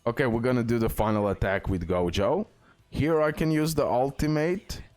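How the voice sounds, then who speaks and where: A man's voice: mid-range voice, moderate pace, a little mellow, soft background music. A man giving casual video game tutorial commentary as a guide host, with non-native English phrasing and a habit of repeating himself.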